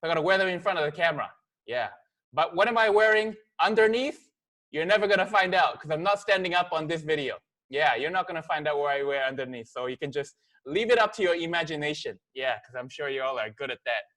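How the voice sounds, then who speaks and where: A man's voice: fairly high pitch, lively intonation, fast talker, a bit bright. A man in his thirties from Korea, whose first language is Korean, giving a casual, chatty business presentation to camera, full of fillers and "okay?" check-ins.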